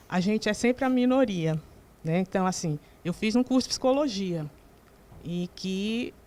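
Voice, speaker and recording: A Brazilian woman speaking as a guest on a TV panel, measured and thoughtful. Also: medium pitch. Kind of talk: TV panel debate.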